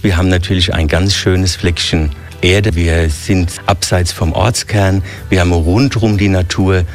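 A man with a low voice and a Hessian accent speaks in a radio interview. He explains things in a relaxed way and runs through long lists. Faint music plays behind him. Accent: Hessian German. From Hesse, Germany. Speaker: hotel director.

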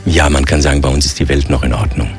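A man with a low voice and a Hessian accent speaks in a radio interview. He explains things in a relaxed way and runs through long lists. Faint music plays behind him. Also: quick pace. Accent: Hessian German. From Hesse, Germany. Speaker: hotel director.

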